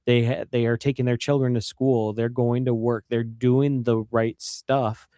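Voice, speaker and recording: Male guest with a Michigan accent, mid-pitched and earnest, repeats himself for emphasis, dry studio sound. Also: little pitch movement, unhurried, warm tone, no room sound. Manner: earnest, repeats words when stressing a point. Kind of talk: earnest conversational interview.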